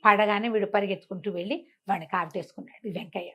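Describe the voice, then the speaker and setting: A woman telling a comic folk tale in an animated, conversational way, often repeating phrases. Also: medium pitch, fast, slightly rough, muffled recording. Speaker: storyteller.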